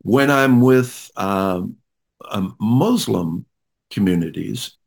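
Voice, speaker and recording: A man speaking as a ministry leader guest in an interview, halting with many fillers but friendly. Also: fairly low pitch, expressive, vocal fry.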